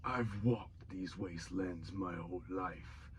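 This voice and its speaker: A man's voice: sits low, slow pace, slight background noise. A man voicing a weary, hardened wasteland wanderer, brooding and stoic, in dramatic voice-over practice. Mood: stoic, sorrowful.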